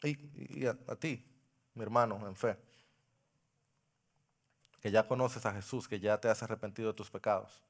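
A male pastor preaching a sermon into a microphone, impassioned, swinging from loud cries to hushed pleading. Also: lowish voice, moderate pace, pauses often.

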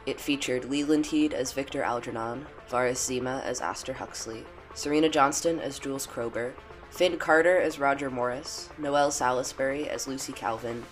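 Mid-pitched man reading credits over music. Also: fairly even intonation, moderate pace, poor audio. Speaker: credits announcer. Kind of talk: scripted credits narration. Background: instrumental music.

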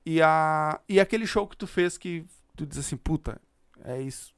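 Joking host, dry sound. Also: male voice, on the high side, moderate pace, smooth, dry recording. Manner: joking, laughs easily, reads shout-outs. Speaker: podcast host. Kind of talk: casual chat.

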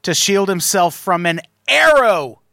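A man's voice: sits high, sing-song, unhurried, gravelly, sharp tone, no echo, clean studio sound. A man co-hosting a podcast, riffing casually on news stories in a sarcastic, jokey way. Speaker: podcast co-host.

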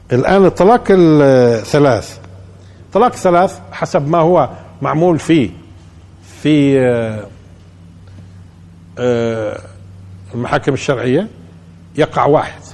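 A sheikh with a Palestinian Arabic accent teaches Quran commentary in a colloquial religious lesson, talking conversationally and answering his own rhetorical questions. His voice is mid-range with a darkish tone.

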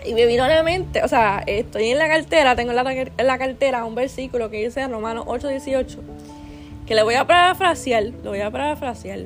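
Young woman rambling thru a story, lots of restarts, bit high voice, soft music under. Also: fairly quick. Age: 20s. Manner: chatty, rambling with many restarts and fillers; earnest, faith-minded advice giver. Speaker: vlogger. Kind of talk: casual personal storytelling.

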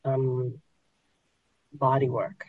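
Slow, unhurried woman. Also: very deep voice, level tone, no echo, narrow, tinny audio. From Hong Kong. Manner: slow, searching, with many pauses and restarts. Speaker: podcast host and spiritual teacher. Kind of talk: explaining to a small group.

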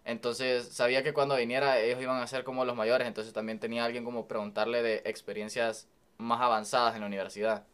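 A man's voice: medium pitch, flat delivery, fast talker, fairly bright tone, clear, resonant tone. Easygoing young Salvadoran man. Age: 20s. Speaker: podcast guest, engineering student. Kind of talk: casual podcast conversation.

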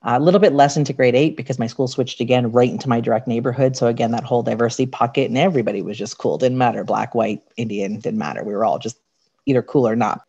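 A woman with a raspy, slightly deep voice, a podcast guest telling candid, reflective stories from her life in casual chat. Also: fairly even intonation, quick pace, dark tone. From Canada. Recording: dull lo-fi sound.

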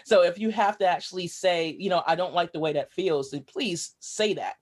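A woman's voice: fairly low pitch, normal speed, husky. A woman guest in an interview, a writer and activist, speaking earnestly and reflectively with frequent fillers. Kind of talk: conversational interview storytelling.

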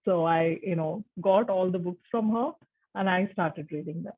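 Woman, forties, native tamil speaker, chatty with restarts, breathy voice, remote call. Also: lowish voice, normal speed. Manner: chatty, with frequent restarts and fillers. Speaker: translator, interview guest. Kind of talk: casual interview conversation. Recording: muffled phone-like line.

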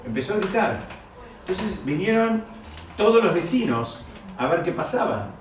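A man teaching a Talmud story to students, animated and repeating key phrases. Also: high voice, normal speed, a little hiss or hum. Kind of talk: lecture to students. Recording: echoey room, mic far off.

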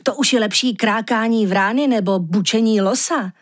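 A woman's voice: fairly high pitch, natural voice. A woman voicing a grumpy, dreamy male giant walrus who made the world, grumbling as she reads the storybook lines.

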